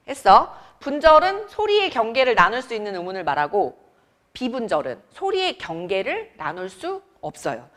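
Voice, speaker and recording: A young adult woman from Seoul teaching grammar in a classroom, chatty and teasing as she quizzes her students. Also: on the high side. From Seoul, South Korea. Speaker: academy Korean teacher. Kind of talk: classroom lecture.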